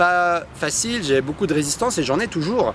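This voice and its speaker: This man's voice sits high in pitch and moves with lively intonation. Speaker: self-help youtuber. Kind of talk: motivational talk to camera. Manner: halting, many fillers and repetitions.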